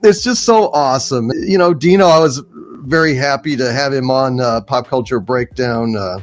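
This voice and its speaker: A man chatting casually as a guest, in a halting, rambling way. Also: mid-range voice. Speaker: guest, voice actor. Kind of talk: casual chat.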